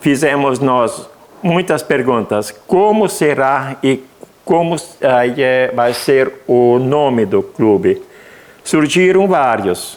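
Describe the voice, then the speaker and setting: A man's fairly high voice with lively intonation, at a very slow pace. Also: very even loudness. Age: 80s+. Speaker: founder of local football club. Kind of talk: interview testimony. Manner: halting, with many fillers.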